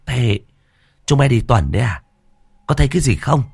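A man voicing a brisk, chatty older village woman in a ghost story. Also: mid-range voice, very animated, creaky, darkish tone, slightly rough, dry recording, studio quality, pitched above the performer's own voice, exaggerated voice.

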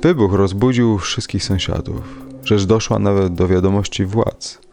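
A man reading a classic horror story aloud in a measured, dramatic storytelling manner. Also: lowish voice, steady tone, darkish tone. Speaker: podcast reader. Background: faint music.

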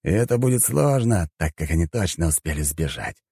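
Villain read by a male narrator: deep, slow, snarling and resentful. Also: animated, warm tone, breathy edge, dry recording, clean studio sound, full character voice. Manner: slow, clenched, snarling delivery. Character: bitter, power-hungry villain man.

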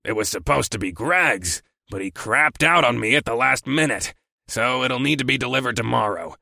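A man's voice: medium pitch, animated, moderate pace, vocal fry, sharp tone, no room sound, full character voice. Guy doing a cranky boss with a rusty growly voice, curt and snide, dry close sound. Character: gruff impatient male trucking boss.

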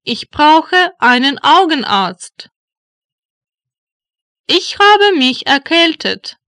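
A woman reading German phrases slowly and deliberately for learners, repeating each one. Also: high-pitched, very animated, bright, forceful tone, no echo, clean studio sound. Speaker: German language teacher voice. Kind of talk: slow phrase drills for learners.

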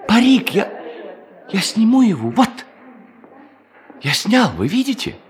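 An actor playing a desperate, ageing male embezzler in a radio play, halting and stammering as he pleads. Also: sits high, very animated, slight background noise. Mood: frantic pleading. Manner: halting, stammering, repeats himself imploringly. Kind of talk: Russian radio play acting.

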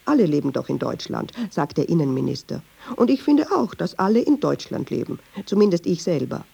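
A woman's voice: deep voice, very animated, a little fast, gravelly, warm tone, husky, full character voice. An actress playing a chatty, ironic Jewish woman who tells restless, digressive, insistent stories in a radio drama. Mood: ironic, musing. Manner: wry, digressive, insistent storytelling. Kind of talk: radio drama monologue in dialogue.

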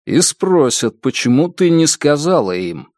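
A man voicing an unsmiling detective in an audiobook, speaking calmly and bluntly. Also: fairly high pitch, unhurried, dry recording, clean studio sound, pitched above the performer's own voice. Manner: calm, level, unsmiling. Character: blunt calm male detective, unsmiling, relentless.

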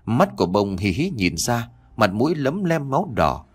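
A man reading a horror story aloud as a scripted narration, with a dramatic, expressive delivery. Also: medium pitch, moderate pace, husky.

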